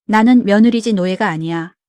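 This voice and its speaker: A woman's voice: medium pitch, moderate pace, a little mellow, dry recording, lightly acted. Tired young wife at the end of her rope, voiced by a woman, pleading, dry close sound. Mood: upset. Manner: pleading, tearful complaints. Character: exhausted young wife, worn down by caregiving.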